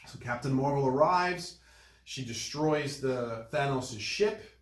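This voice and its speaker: A man hosting a casual movie discussion, retelling scenes in an animated way with repeated phrases. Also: mid-range voice, takes it slowly. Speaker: podcast host. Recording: roomy, echoing room sound.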